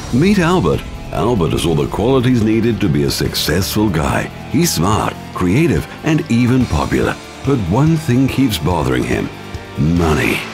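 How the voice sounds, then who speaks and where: Over clear background music, a man with a fairly low voice speaks at a moderate pace, his pitch swinging very widely. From UK. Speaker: voice actor. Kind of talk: explainer narration. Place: studio.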